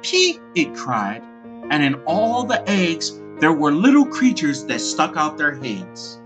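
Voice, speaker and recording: Fairy-tale narrator: mid-pitched, unhurried, lively intonation, faint music underneath. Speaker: storyteller.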